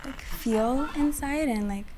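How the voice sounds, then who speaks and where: A woman of twenty with a fairly high voice speaks openly on a dating show, pausing often with ums and likes. Noise hums clearly behind her. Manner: hesitant, full of ums and likes. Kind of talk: casual open talk on camera.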